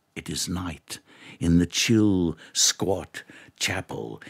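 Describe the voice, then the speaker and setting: Over a quiet background, a man talks in a very deep, low pitch with a dark, mellow tone and ordinary pitch variation. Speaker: actor. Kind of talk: dramatic reading of a radio play. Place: studio. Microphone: studio mic.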